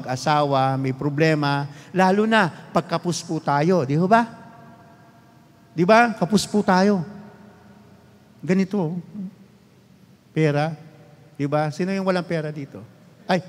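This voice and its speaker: A middle-aged Filipino man preaching a lively sermon as pastor, often asking the congregation to respond. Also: high voice, long reverb tail. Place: church hall.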